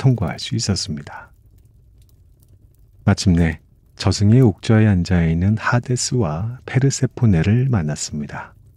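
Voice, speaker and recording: Dark and mellow, a man's fairly low voice comes out somewhat breathy, with a calm, soothing tone at a fairly slow pace. The sound is dry and close with no echo, on a very clean recording with a silent background. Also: long, frequent pauses. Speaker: audiobook narrator reading a book aloud. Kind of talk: sleep story audiobook narration. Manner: soft, calm, soothing.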